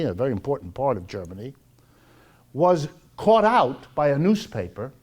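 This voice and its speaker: A man giving an informal public lecture, speaking emphatically with rhetorical questions and deliberate pauses. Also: a little high, a little mellow. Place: live talk before an audience.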